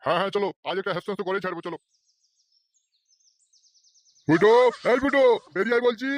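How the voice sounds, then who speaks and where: A man's voice: sits high, lively intonation, very fast, no echo. A man voicing an irate, blustering village man in a comedy cartoon, with a scolding, agitated manner. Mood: furious. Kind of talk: Bengali comedy cartoon dubbing.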